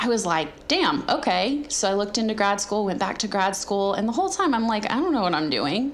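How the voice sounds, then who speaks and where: A woman talks at a fairly quick pace with hardly any pauses, her fairly high voice swinging very widely in pitch while her loudness stays very even. Noticeable background noise and audible room echo fill the recording. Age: 30s. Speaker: mental health therapist. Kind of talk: casual chat.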